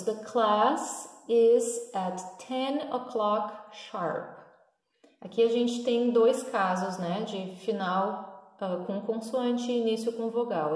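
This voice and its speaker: A woman teaching a language lesson, explaining patiently and often checking in with the class, slowing down to model examples. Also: mid-range voice, darkish tone, echoey room, big-room sound, recorded from a distance. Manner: slows down to model pronunciation examples. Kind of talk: recorded online lesson.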